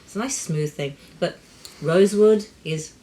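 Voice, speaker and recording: A middle-aged woman, a perfumer hosting a casual chat, explaining ingredients in a lively, chatty way with asides. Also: lowish voice, a little slow. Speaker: perfumer and show host.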